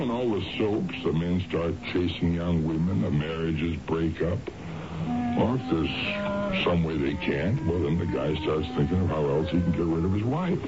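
An actor playing an irritable, weary husband in his mid-forties in a radio drama, grumbling, sardonic and hesitant. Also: deep voice. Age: middle-aged. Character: irritable, weary 45-year-old suburban husband, evasive and brooding. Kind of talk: 1970s radio drama acting. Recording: dull, lo-fi old radio broadcast.

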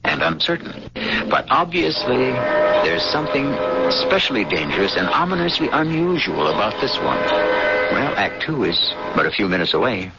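A man hosting a 1970s radio drama with theatrical, ominous, musing narration and deliberate phrasing. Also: mid-range voice, sing-song, creaky, very noisy. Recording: muffled 1970s radio broadcast.

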